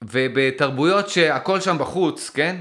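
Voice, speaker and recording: A man from Israel with a fairly high-pitched voice talks to his viewers in a casual, rambling monologue. He often stops and restarts as he thinks aloud, becoming animated and emphatic.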